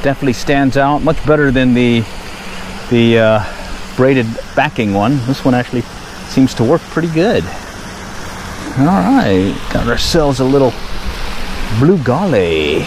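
A man talks his way through a fishing session in an easy, chatty voice at a middling pitch. He is outdoors by a park pond, recorded on a head-mounted action camera, with steady background noise under his voice. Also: a little slow, pauses often, rough recording. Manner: relaxed, chatty, pleased exclamations at each catch. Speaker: fishing vlogger. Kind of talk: casual running commentary while fishing.

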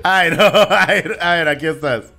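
A man with a Peruvian Spanish accent playing games with a friend, excitable, laughing often and shouting at losses. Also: fairly high pitch, moderate pace, gravelly, soft background music. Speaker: gaming channel host. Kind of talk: casual gaming chat with a friend.

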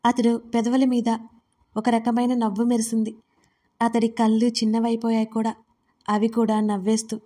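A woman narrating a story audiobook in a steady storytelling manner. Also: a little high, moderate pace.

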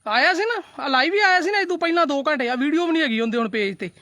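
A man's voice: extremely high pitch, lively intonation, fast talker, sharp tone, dry recording. A man ranting defiantly to his viewers in a casual live video, repeating himself and brushing off threats. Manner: defiant, repetitive, addresses viewers as brothers. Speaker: social media live streamer. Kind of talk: heated casual rant to viewers.

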